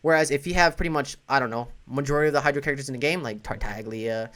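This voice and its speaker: A man's voice: medium pitch, racing, fairly bright tone. A man giving casual, opinionated game commentary in an informal way, thinking aloud as he goes. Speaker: gaming content creator and streamer. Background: background music.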